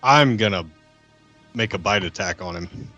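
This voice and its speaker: Casting: male tabletop player, forceful and slightly low, casual rules talk over faint music. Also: measured pace, lo-fi sound. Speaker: player on a tabletop game podcast.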